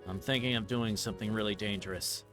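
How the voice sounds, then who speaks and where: A man's voice: fairly low pitch, steady tone, quick pace, a bit bright, natural voice. A man voicing an aging, stubborn police detective from a visual novel in a wry, reflective, plain-spoken way. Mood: resolved. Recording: music playing behind the voice.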